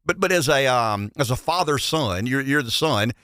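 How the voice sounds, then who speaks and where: With lively intonation and a bright, forceful tone, this male interviewer speaks at medium pitch and a moderate pace. He has a Southern US accent and keeps things folksy and conversational, often repeating words while building questions, captured in echo-free studio quality.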